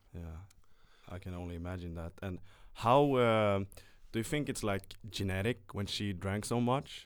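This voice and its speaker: Speaking at a moderate pace with a Swedish accent, a man is heard on a very clean recording with a silent background. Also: fairly low pitch for a man, ordinary pitch variation. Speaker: podcast host. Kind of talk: casual interview in English; podcast intro in Swedish. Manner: halting English.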